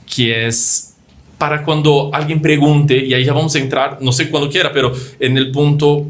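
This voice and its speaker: A man's voice: on the high side, fairly even intonation, moderate pace. Non-native Spanish-speaking man explaining doctrine. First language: not Spanish. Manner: explains with examples and acted-out quotes, frequent restarts. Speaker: podcast co-host. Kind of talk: religious podcast discussion.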